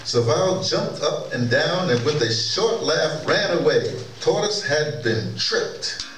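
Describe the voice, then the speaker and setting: A man's voice: a little high, very animated, slow, fairly bright tone. A middle-aged man presenting and narrating a story for a live audio drama. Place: large wood-panelled conference hall, indoors. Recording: distant, echoey hall, clear background noise.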